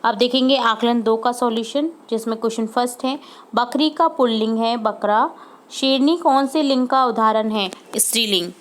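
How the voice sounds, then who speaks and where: A woman, a teacher going through worksheet answers, patiently repeating each answer slowly and mixing in English words. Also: fairly high pitch.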